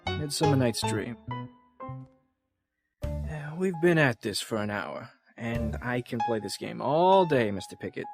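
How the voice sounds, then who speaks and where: Cocky detective, very lively intonation, music behind. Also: male voice, medium pitch. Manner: quick, lively, playful banter. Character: energetic male detective, cocky, Shakespeare buff. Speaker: police detective. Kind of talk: full-cast audio drama.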